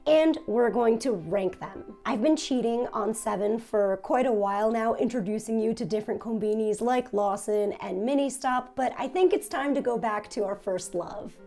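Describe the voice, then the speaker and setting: A young woman with a hoarse, raspy voice, worn down because she is nearly losing it. She keeps a subdued, near-monotone delivery that sits a little high for her, with gravelly fry running through it. Light music plays faintly behind her. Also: normal speed, few pauses. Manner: subdued and monotone, with small laughs. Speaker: food vlogger. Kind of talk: casual food tasting vlog. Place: her home in Japan.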